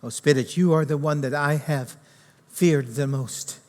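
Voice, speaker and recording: A man's voice: a little high, a little slow, a little mellow, close to an everyday voice. A man playing the old miser Scrooge, live on stage in a musical. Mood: fearful. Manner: pleading, then wondering and gleeful. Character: old miserly man, softening into a joyful one. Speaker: stage actor. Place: theatre stage. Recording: hall reverb with pit music.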